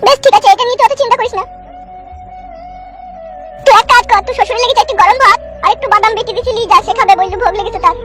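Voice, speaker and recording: A woman voices a worried mother in a comedy cartoon who scolds her family in a high, piercing voice. She talks very quickly, with faint music in the background. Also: bright, forceful tone. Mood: instructive. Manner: scolding, shrill, complaining. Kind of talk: cartoon voice acting.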